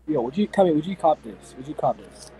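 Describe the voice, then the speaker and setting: A man's voice: on the high side, sing-song, a little fast, dark tone, poor audio. A young man on a video chat, casually defending his cheap watch.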